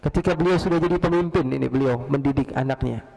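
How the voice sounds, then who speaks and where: A man's voice: mid-range voice, quick pace, gravelly, mellow. A man preaching in a mosque, telling stories casually and answering his own questions. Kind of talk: storytelling religious lecture. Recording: long reverb of mosque hall.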